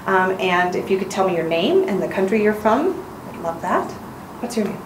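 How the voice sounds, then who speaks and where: A woman teacher giving clear, encouraging instruction, in the style of a lesson. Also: mid-range voice, big pitch swings, normal speed. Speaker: English teacher. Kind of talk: instructional narration and classroom teaching. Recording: roomy echo, faint background noise.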